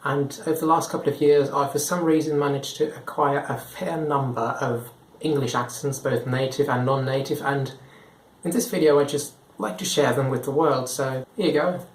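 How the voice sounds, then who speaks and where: A man's voice: medium pitch, steady tone, moderate pace, a little hiss or hum. A nineteen-year-old man from Belgium whose first language is Dutch, introducing his video in a friendly, straightforward way. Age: young adult. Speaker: host. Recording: echoey room.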